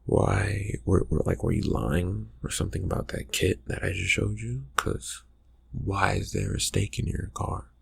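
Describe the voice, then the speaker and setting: A man plays a vampire quietly threatening a friend in an ASMR roleplay. The voice is low and heavily creaky, with a breathy, husky edge. The delivery is soft, halting and insinuating, keeping the menace calm. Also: exaggerated voice. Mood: quietly suspicious.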